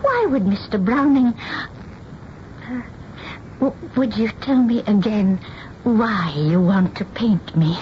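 An actress playing a timid, childlike recluse in a radio drama, hesitant and fluttery, often repeating herself. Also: female voice, medium pitch, expressive, slow, long pauses. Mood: wistful, shy. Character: timid, childlike reclusive seamstress living in daydreams. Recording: muffled, noisy old radio broadcast recording.

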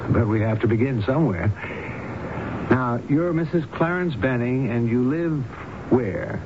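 A dull, noisy radio-play recording of an actor as an American male psychologist. His mid-range voice is calm and deliberate, questioning with professional reassurance. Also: medium pitch, lightly acted. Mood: calm, probing. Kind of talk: radio drama acting.

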